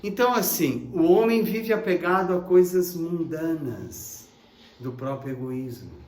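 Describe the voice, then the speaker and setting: A man with a Brazilian Portuguese accent giving a Sunday gospel sermon, swinging from loud to hushed and acting out little dialogues. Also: a little high, expressive, a little slow, roomy sound. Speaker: preacher.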